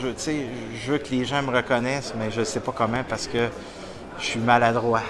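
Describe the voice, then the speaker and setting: A man with a Quebec accent talks in monotone, flat intonation amid noticeable background noise. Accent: Québécois French. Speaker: motivational speaker. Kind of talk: interview testimony. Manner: loud.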